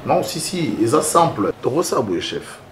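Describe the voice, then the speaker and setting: An actor with a Congolese accent playing an excitable man in a domestic drama, by turns deferential and indignant. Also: medium pitch, measured pace, a little hiss or hum. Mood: eager, deferential. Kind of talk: acted domestic drama dialogue.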